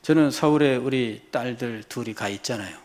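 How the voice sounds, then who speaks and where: A middle-aged man preaching a sermon as pastor, swinging between hushed low lines and loud, high exclamations, repeating phrases and firing rhetorical questions at the congregation. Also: moderate pace.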